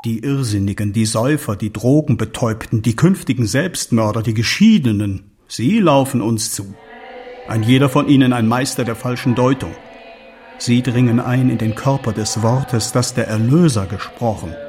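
A zealous early Christian disciple, played by a man in a radio drama. He declaims in solemn, archaic phrases, devoted and embattled. His voice sits at an ordinary middle pitch for a man. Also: moderate pace, darkish tone, faint music behind, lightly acted. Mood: indignant.

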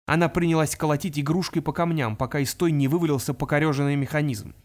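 A man narrating a fantasy adventure audiobook in a steady, dramatic storytelling manner. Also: a little high, fast talker.

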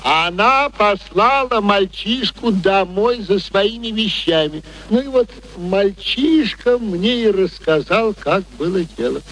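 Shameless haggling father, high swooping voice, ingratiating, theatrical radio drama, old noisy recording. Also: animated, slow pace, hardly any pauses, a bit bright, exaggerated voice. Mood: ingratiating storytelling. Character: sly, wheedling working-class father, shameless haggler. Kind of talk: radio play acting.

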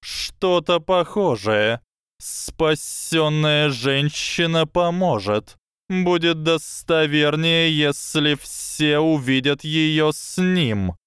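Man doing a sly hissing snake, higher and louder than his own voice, slow and lecturing, crisp dry recording. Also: animated, no echo, exaggerated voice. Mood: scheming. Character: sardonic scheming male snake, cunning mentor. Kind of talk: audiobook character voice.

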